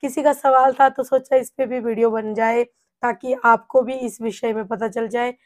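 A woman's voice: on the high side, fairly even intonation, moderate pace, darkish tone. A woman in her thirties, co-host, greeting viewers and introducing a devotional video at home. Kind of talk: channel introduction. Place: home room with a shrine, indoors.

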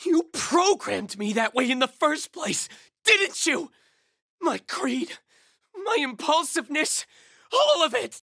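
An actor playing a reckless, thrill-seeking young man in a video game, emotional and sardonic, with a husky voice. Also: very high voice, very animated, slow, sharp tone, no room sound, clean studio sound, exaggerated voice. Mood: bitter, accusing. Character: reckless thrill-seeking young man, betrayed creation pleading with his father. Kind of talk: dramatic video game voice acting.

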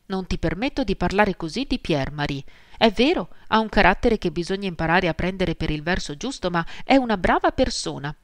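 A woman's voice: on the low side, expressive, fairly quick, dry recording, studio quality, close to an everyday voice. A woman reading the lines of a proud, domineering older aunt in an audiobook, indignant and commanding. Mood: pleading.

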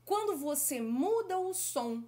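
A middle-aged woman from Brazil with a Brazilian Portuguese accent, teaching French in a video lesson and talking straight to the viewer in an affectionate, lively way. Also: sits high, takes it slowly. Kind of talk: YouTube language lesson.

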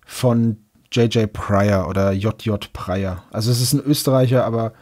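Husky-voiced male podcast host. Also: on the low side, normal speed, darkish tone. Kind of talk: casual podcast chat and announcements.

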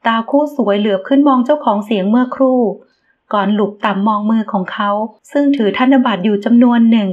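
A woman reading a romance novel aloud in a steady, expressive storybook narration. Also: fairly high pitch, a little fast, phone-quality sound. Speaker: audiobook narrator.

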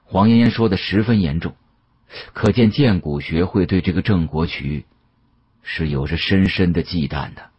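A man narrating an audiobook as a dramatic storyteller, with an expressive, conversational delivery. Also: low-pitched, moderate pace, slightly rough, dull audio.

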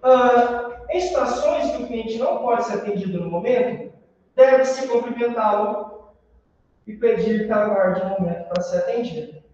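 A man's voice: extremely high pitch, normal speed. A man with a Brazilian accent teaching a class on customer service, telling stories and acting out customers and clerks. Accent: Brazilian Portuguese. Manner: animated storytelling, acts out customers and clerks. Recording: echoey room, far from the mic, dull sound.

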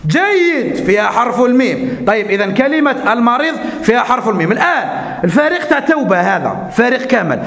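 High-voiced Algerian man teaching a class. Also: creaky. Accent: Algerian Arabic. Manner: animated, coaxing teacher voice, slow deliberate dictation. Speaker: primary school teacher. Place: school classroom. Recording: echoey classroom.

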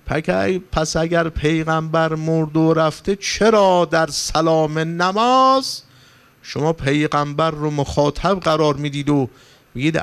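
A man's voice: fairly high pitch, smooth. A male cleric preaching a sermon in Persian, telling stories with passion and rising to emphatic, pleading points. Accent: Persian, from Iran. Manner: impassioned storytelling, rising for emphasis. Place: religious gathering hall.

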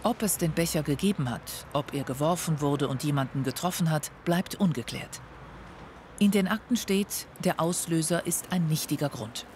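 A man narrating a crime documentary in a calm, factual, scripted manner. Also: fairly high pitch, normal speed, a little hiss or hum. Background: music under the voice.

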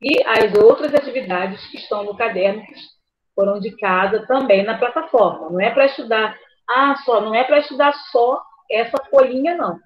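A woman teacher, slowly and patiently reviewing a grammar lesson for a class online. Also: fairly high pitch. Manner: slow, patient, spells words out. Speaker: primary school teacher. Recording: slightly muffled lo-fi audio.

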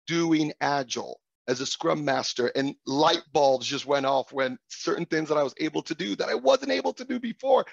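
A middle-aged man whose first language is Italian, hosting a guided conversation over a video call, animated and poking fun at himself. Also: on the high side, vocal fry, husky, dry recording. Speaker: host. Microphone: webcam on a video call. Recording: dull lo-fi video call audio.

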